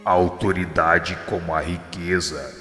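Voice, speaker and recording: A man voicing Jesus as a grave divine figure in a radio drama, speaking with a Brazilian Portuguese accent in measured, solemn pronouncements. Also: deep voice, steady tone. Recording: heavy reverb with soft music behind.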